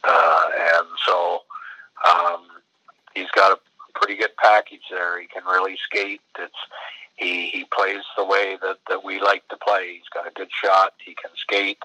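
An older man, a hockey team's general manager, answering interview questions over the phone in a halting way with many fillers and restarts. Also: low voice, flat delivery, sharp tone, no echo. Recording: dry tinny phone line.

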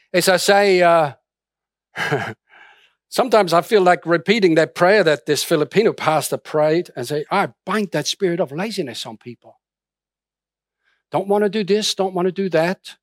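A man's voice: sits high, measured pace, long pauses, no room sound, studio quality. A middle-aged man from Austria preaching a sermon in a conversational way, with many restarts and fillers. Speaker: pastor.

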